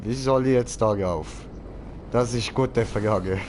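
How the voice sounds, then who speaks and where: A man's voice: medium pitch, slow, background noise. A man with a Swiss German accent chatting casually as he streams a game, exclaiming and repeating words in bursts. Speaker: streamer playing GTA Online with a friend. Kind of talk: casual live gaming chat.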